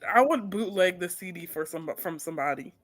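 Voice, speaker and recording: A woman co-hosting a podcast in casual chat, playful and quick with asides, laughing often. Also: fairly low pitch, animated, no echo, clean studio sound. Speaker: podcast co-host.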